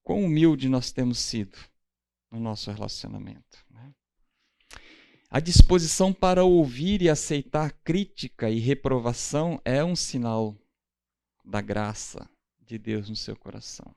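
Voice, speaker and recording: A man's voice: medium pitch, lively intonation, unhurried, creaky, darkish tone, smooth, dry recording, clean studio sound. A man with a Brazilian Portuguese accent teaching a Bible class in a conversational way, often checking in with his listeners. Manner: conversational, often adds the tag question "né?"; asks the class questions directly.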